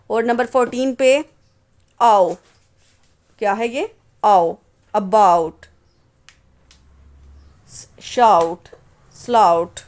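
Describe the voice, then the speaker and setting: A woman's voice: a little high, darkish tone. Patient woman teaching phonetics. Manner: patient, repeats example words slowly, asks and answers her own questions. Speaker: English teacher. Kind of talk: phonetics lesson explaining symbols.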